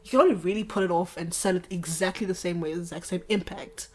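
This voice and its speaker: Relaxed slangy woman chatting about music. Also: on the low side, quick pace, husky. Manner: relaxed, slangy, talks through ideas with fillers. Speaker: podcast host. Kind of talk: casual chat about music.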